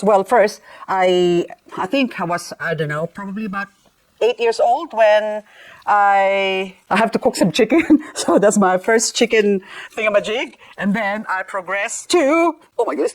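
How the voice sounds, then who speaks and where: A woman's voice: medium pitch, animated, measured pace, poor audio. A middle-aged woman raised in the Philippines, chatting playfully while cleaning up succulents in a casual vlog. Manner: chatty, playful, self-mocking asides. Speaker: gardening vlogger. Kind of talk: casual chat while repotting plants.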